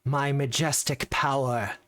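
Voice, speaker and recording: A man voicing a pompous male undead lich lord in a tabletop game, with a grandiose, gloating, drawn-out delivery. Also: medium pitch, fairly even intonation, a bit bright, natural voice.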